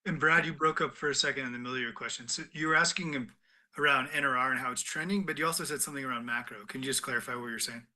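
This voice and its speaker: A man's voice: mid-range voice, very fast, sharp tone. A man speaking as a finance executive on an earnings call, giving financial remarks and answering questions.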